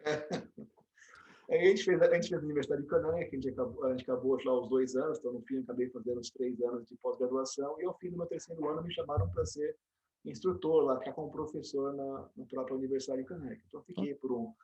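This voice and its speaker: Fast-talking Brazilian man telling stories. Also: medium pitch, dull audio. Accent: Brazilian Portuguese. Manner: storytelling, animated, many restarts and "né?" tags. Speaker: interview guest, dentist and program director. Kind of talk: casual interview conversation.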